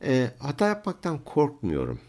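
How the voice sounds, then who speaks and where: A man's voice: medium pitch, wildly swooping pitch, moderate pace, a little mellow. A man in casual conversation who laughs often and tells humorous anecdotes.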